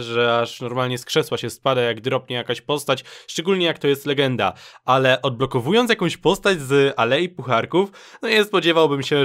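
A man's voice: a little high, fairly bright tone. A man casually commenting on gaming clips in a chatty, slangy, playfully teasing way. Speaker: host narrating a gaming clip compilation.

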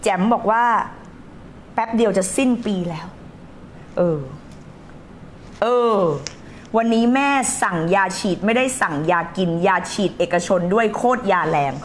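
A woman's voice: medium pitch, unhurried, pauses often, a little hiss or hum. A woman life coach hosting a live stream, talking emphatically, scolding and teasing her viewers and reading their comments aloud. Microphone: streaming setup.

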